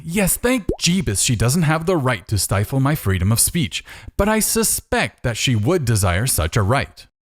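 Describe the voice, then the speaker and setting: A male video host gives scripted commentary at a middling pitch. His intonation moves around a lot, rising and dropping as he poses pointed rhetorical questions. The delivery is sarcastic and argumentative.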